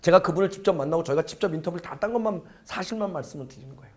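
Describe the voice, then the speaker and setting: A middle-aged male pastor preaching a sermon, telling a story dramatically, swinging from loud urgency to a hushed near-whisper. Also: on the high side, animated, racing.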